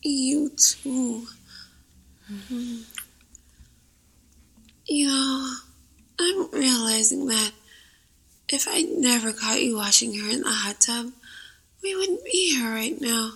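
A woman's voice: on the high side, takes it slowly, vocal fry, long pauses, a bit bright, breathy edge, exaggerated voice. A woman playing a blunt, cheeky young woman who sounds breathless and sleepy. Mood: drowsy. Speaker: lover in an audio drama. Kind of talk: adult audio roleplay.

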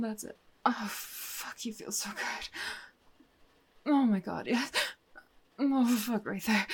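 A woman's voice: medium pitch, breathy edge. A woman playing a sultry, dominant, mysterious woman in an erotic audio roleplay, whispering and moaning breathily.

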